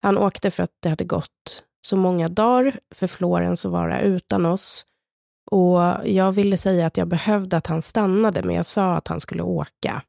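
Swedish woman podcaster, gravelly low-key voice, slow intimate storytelling, dry close mic. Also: fairly even intonation, mellow, no room sound. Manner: slow, measured, intimate telling in the present tense. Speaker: podcast co-host. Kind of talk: personal storytelling, partly read from a script.

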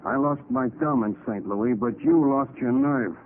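An actor playing a menacing, tough American crook who leans on an old partner with drawling gangster slang in a 1940s radio drama. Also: male voice, mid-range voice, a little slow, close to an everyday voice. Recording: muffled hissy 1940s radio recording.

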